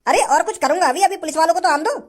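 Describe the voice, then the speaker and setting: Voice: extremely high pitch, rapid-fire. A performer voicing a dutiful male hangman in a cartoon, speaking politely in rustic speech.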